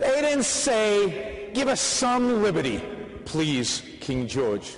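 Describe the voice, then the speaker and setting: A man's high voice at a very slow pace, very wide pitch swings and noticeable background noise. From Israel. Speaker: political speaker. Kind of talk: political speech.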